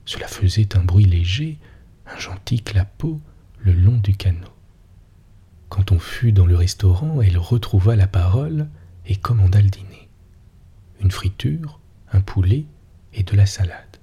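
Husky man reading a story in a whisper. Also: low-pitched, lively intonation, a little slow, long pauses, dark tone. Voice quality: breathy near-whisper. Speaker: narrator.

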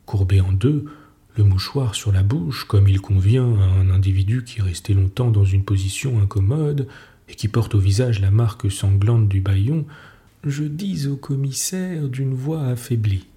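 A man narrating a story in a calm, deliberate reading voice. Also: fairly low pitch. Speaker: audiobook narrator.

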